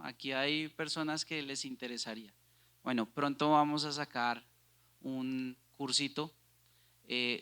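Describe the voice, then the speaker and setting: A man's voice: on the high side, sharp tone. A young man with a Colombian Spanish accent, teaching a Bible study and drawing in the audience with questions. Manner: engaging, asks the audience questions.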